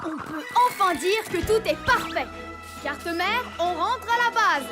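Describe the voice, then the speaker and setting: A woman's voice: very high-pitched, lively intonation, a little slow, over loud music. A woman voicing a brave, cheerful little alien space hero in a cartoon, upbeat and commanding. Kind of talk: French cartoon dubbing.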